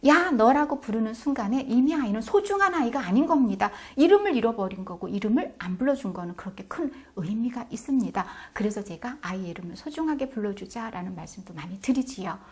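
A middle-aged woman coaches parents straight to camera. Her voice sits a little high. She presses her points hard, acts out a scolding mother, then drops to a near whisper for an aside. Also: lively intonation, fast, few pauses, darkish tone. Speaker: parenting educator. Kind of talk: parenting advice talk to camera.

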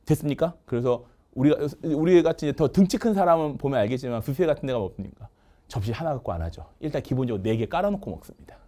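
A man teaching English vocabulary in a lively lecture, drilling words call-and-response and joking with his producer. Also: medium pitch, fast. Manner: call-and-response drilling, asks "됐습니까?" often; jokes with the producer off camera.

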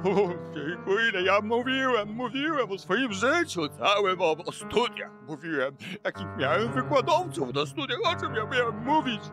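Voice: mid-range voice, big pitch swings, moderate pace, hardly any pauses, close to an everyday voice. An actor playing a flustered, rambling male corn-bar owner in an improvised children's radio play. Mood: despairing. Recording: music under the voice.

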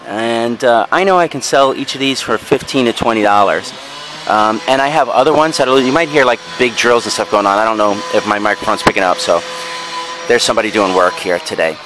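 A man's voice: mid-range voice, a little fast, background noise. A man casually talking through things he bought, rambling with frequent ums and self-corrections, recorded outdoors on a handheld camera. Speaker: vlogger showing resale finds. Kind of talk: casual show-and-tell narration. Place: outdoors in a backyard patio.

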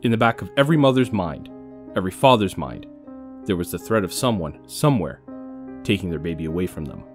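A man's voice: sits low, animated, fairly quick, soft background music. A man giving a dramatic scripted narration as the narrator of an audio story.

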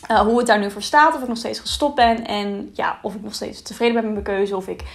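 A vlogger in her twenties chats casually during a mukbang-style girl talk vlog, seated at a table in a small, bright indoor room and sometimes speaking with her mouth full. Her mid-range voice is steady and brisk, with vocal fry.

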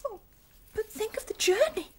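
A woman's voice: very high-pitched, animated, moderate pace, darkish tone, slight background noise. A British woman playing a timid, hesitant pet rabbit, fretful and anxious, in a radio drama.

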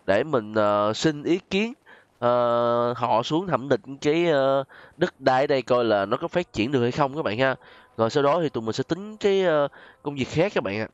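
A man with a Southern Vietnamese accent hosts a gaming video in a casual, conversational way. His medium-pitched voice talks straight to the viewers. The sound is dry and slightly dull, like a lo-fi voice-over. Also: animated, normal speed, clear, resonant tone, no echo. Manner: conversational, addresses viewers directly with frequent tag particles. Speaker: gaming channel host. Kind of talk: casual game role-play commentary.

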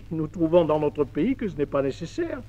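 A man voicing a humble young apprentice blacksmith who speaks quietly and gently, on an old mono record. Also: a little high, sing-song, moderate pace. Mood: calm. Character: calm, humble young apprentice smith, a boy. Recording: dull 1950s mono record.

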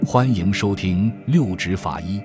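A man's voice: low voice, a little slow. A man announcing a dramatic, scripted introduction to an audiobook series. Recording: loud music under the voice.

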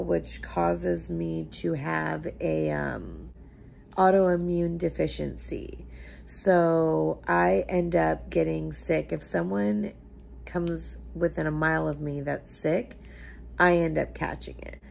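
Slow, gravelly woman with a scratchy voice. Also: lowish voice, darkish tone. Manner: chatty, rambling, emphatic. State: losing her voice, scratchy. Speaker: beauty vlogger. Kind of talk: casual makeup chat to camera. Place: living room couch indoors.

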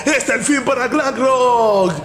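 A man narrating a fight as a theatrical, bombastic commentator in an excited ringside announcing style. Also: very high voice, slow pace, heavy background noise. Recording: reverberant hall-like echo with music. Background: music.

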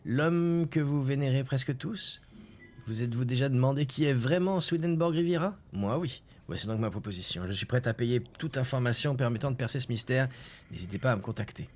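A man's voice: mid-range voice, animated, brisk, a little mellow, close to an everyday voice. A man reading aloud the message of a female freelance journalist, in an earnest tone.

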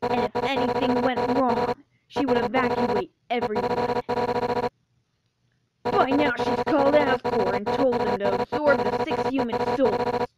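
A fierce monster warrior woman from a video game, acted by a woman, speaks in a fairly high voice. She is wounded but defiant, drawing her words out very slowly with strained, halting determination. A very loud, crowded din sits behind her. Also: flat delivery, muffled recording, over a noisy crowd, close to an everyday voice. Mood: stubborn hope. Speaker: amateur voice actor. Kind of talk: dramatic video game character voice reel.

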